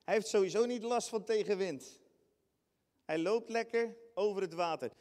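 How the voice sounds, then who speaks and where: A man preaching a lively sermon, acting out scenes with sudden high shrieks and bursts of laughter. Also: normal speed. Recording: long hall reverb in a church.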